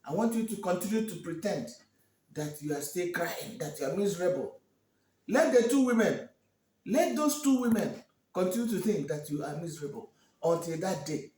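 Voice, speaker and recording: A man voicing a helpful woman who gives calm instructions, in an echoey room away from the mic. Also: sits high, normal speed, distant mic. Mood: instructing. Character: wise helpful woman giving advice.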